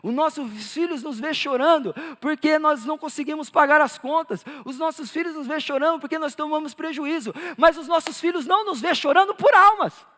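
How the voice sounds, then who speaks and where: High-voiced pastor preaching in a reverberant church. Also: male voice, a little fast, few pauses. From Brazil. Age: adult with a child. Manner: preaching with rising emphasis, then dropping into soft, low storytelling. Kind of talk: sermon. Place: church auditorium. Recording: live church sound with long hall reverb.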